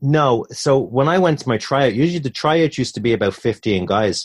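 A man with a Dublin accent, lively intonation and a moderate pace. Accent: Dublin Irish. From Ireland, Dublin city centre. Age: 30s. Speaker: professional wrestler and wrestling promoter. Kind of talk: casual interview chat. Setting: remote call.

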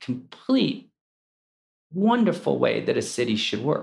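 A man's vocal fry at a moderate pace. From US Midwest (Akron, Ohio). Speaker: tech company founder. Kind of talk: interview.

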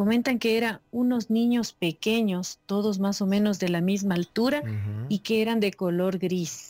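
A woman speaks at a fairly slow pace with hardly any pauses, in an unremarkable speaking voice of medium pitch and ordinary pitch variation. Her loudness stays very even, and the very clean recording is dry and close, with no echo and a silent background. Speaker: paranormal story correspondent. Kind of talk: storytelling.

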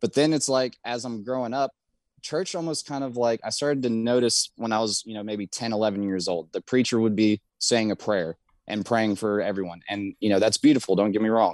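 A man's normal speaking voice with an American accent, medium-pitched, with ordinary pitch variation and a fairly quick pace, in a very clean recording with a silent background and a dry, close sound with no echo. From US South, Carolinas. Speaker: Freemason. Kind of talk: casual chat.

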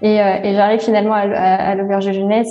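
Delivered at a fairly quick pace, the speech is monotone and flat, with audible room echo. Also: woman. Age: 20s. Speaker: traveller telling her story. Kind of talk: personal travel testimony. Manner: hesitant, many fillers and repetitions.

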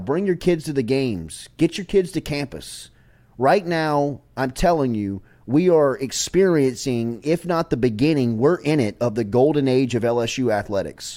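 Lively intonation marks this man's fairly high-pitched voice, which has a dark, mellow tone. The recording is very clean, with a silent background. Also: moderate pace. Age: 40s. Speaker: sports radio host. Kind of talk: casual sports talk show. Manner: animated.

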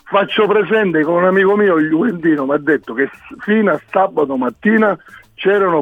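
A man talks in a high pitch at a moderate pace. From Sicily (Pozzallo). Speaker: caller. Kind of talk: phone-in call. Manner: halting.

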